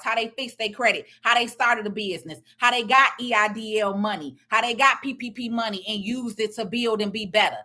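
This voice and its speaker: A middle-aged woman who works as a tax and business strategist gives social media commentary in a loud voice on the high side. She talks in a confident, emphatic, plain-spoken way.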